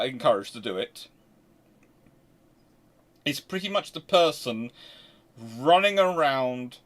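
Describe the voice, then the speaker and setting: A man's voice: mid-range voice, a bit bright. A man hosting an unscripted history discussion, talking emphatically and rambling, often restarting his sentences mid-thought. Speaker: host and naval historian.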